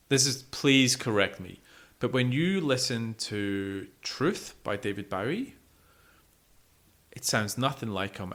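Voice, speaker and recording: Bright-voiced man, emphatic and sweary. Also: mid-range voice. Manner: emphatic, sweary, repeats himself for stress. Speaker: music podcast co-host. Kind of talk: casual opinionated music discussion.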